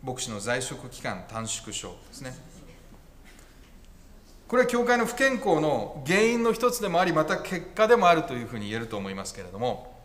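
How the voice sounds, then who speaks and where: A man's voice: medium pitch, huge pitch swings, moderate pace, fairly bright tone. A male pastor preaching a conversational sermon with wry asides and self-corrections.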